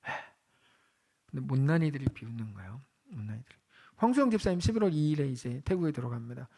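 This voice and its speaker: A male pastor preaching a sermon in a conversational way, asking the congregation questions and swinging from loud exclamations to hushed lines. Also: mid-range voice, big pitch swings, fast, gravelly.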